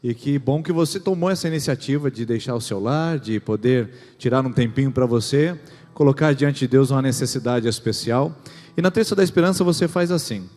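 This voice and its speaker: A man's voice: medium pitch, fairly quick, a little mellow, faint music behind. A man with a Brazilian Portuguese accent, a pastor welcoming the congregation and online viewers and giving announcements. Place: church sanctuary. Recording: long reverb of a church hall.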